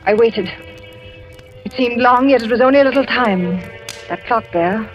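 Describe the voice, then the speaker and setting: Young actress as a scared young wife in an old radio play, fairly high voice, tense and hushed, music under a dull recording. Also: female voice, normal speed, natural voice. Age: young adult. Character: young wife telling a frightened tale. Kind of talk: 1940s radio acting.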